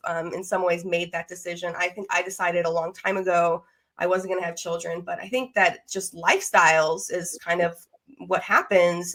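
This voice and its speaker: A woman's voice: fairly low pitch, a bit bright. A woman in her thirties with an American accent, chatty and enthusiastic as she hosts a conversational interview podcast. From Las Vegas, United States. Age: 30s. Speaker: podcast host.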